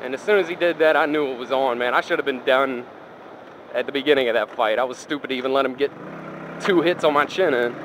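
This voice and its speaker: A man's voice: mid-range voice, quick pace, fairly bright tone. A man telling a casual, rambling, profane story in colloquial speech, talking inside a helmet while riding a motorcycle. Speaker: motorcycle vlogger. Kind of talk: casual first-person storytelling. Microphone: helmet microphone. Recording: engine and road noise, helmet mic. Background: motorcycle and traffic noise.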